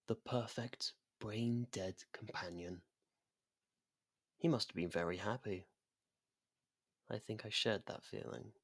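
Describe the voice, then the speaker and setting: Male actor as ancient domineering vampire, low-pitched, breathy, seductive, deliberate, theatrical ASMR monologue, close dry sound. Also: dry recording, exaggerated voice. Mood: wistful, wry. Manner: slow, deliberate, theatrical, often dropping to a whisper.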